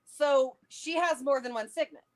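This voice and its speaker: High-voiced, excitable woman chatting casually. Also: moderate pace, low-quality recording. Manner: excitable, thinking aloud. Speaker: co-host of a book read-along livestream. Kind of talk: casual chat, theorizing about a fantasy novel.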